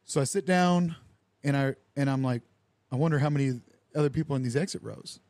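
Young man hosting a podcast, lively anecdote teller who plays out the dialogue, mid-pitched, dry close sound. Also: brisk, no room sound. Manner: animated storyteller who acts out quoted dialogue with lively voices. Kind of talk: casual storytelling chat.

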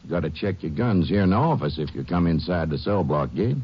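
An actor playing a gruff, folksy, defensive small-town Texas sheriff in a 1950s radio western. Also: male voice, sits low, animated, a little fast. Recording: muffled old radio recording.

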